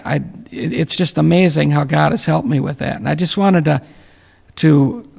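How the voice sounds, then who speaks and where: A man in his late fifties, a pastor, giving earnest closing thanks and a reverent prayer with many halting fillers. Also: a little high, vocal fry, darkish tone. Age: 50s. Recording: muffled with long reverb.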